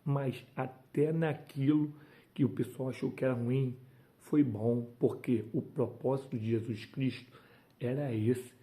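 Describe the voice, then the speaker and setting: A man delivers a devotional sermon with fervent emphasis. He often breaks into exclamations of praise. His voice is very mellow and dark-toned. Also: mid-range voice, steady tone, a little slow. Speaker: preacher.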